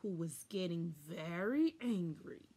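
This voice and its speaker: A woman in her thirties reading a children's story aloud dramatically, with pauses and emphasis. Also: fairly low pitch, lively intonation, warm tone, slightly rough. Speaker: storybook reader. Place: small furnished room at home, indoors.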